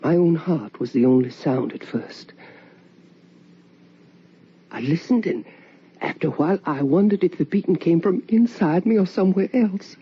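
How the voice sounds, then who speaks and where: An actress playing the sorrowful ghost of a middle-aged mother in a radio drama, with a halting, brooding delivery. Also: on the low side, breathy edge. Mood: hushed dread. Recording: dull, noisy old-time radio recording.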